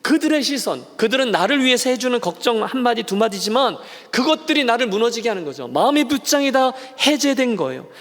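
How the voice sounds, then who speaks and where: A male senior pastor giving a lively sermon in a church, acting out voices of the characters and the townspeople as he goes. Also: very high voice, fairly quick, few pauses. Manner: animated, acts out voices of townspeople and Naomi. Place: church sanctuary. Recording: long hall reverb in a church.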